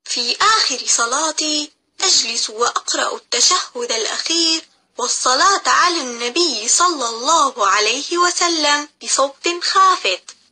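A woman narrates a children's lesson in a high voice. She recites each step in a measured, clear way, and her tone is bright. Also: animated. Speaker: teacher narrator. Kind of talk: scripted instructional narration for young children.

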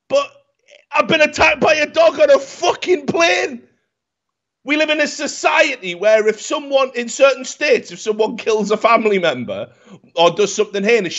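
A man, swearing freely and telling a story loudly in a casual chat, on a headset mic. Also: extremely high pitch, muffled recording. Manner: profane, animated storytelling, gets loud when worked up. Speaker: podcast host. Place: home room, indoors. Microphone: headset with desk mic.

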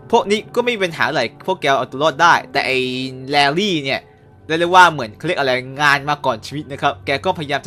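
A young man casually recapping and reviewing a cartoon episode, chatty with quick asides. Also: medium pitch, pushed and bright.

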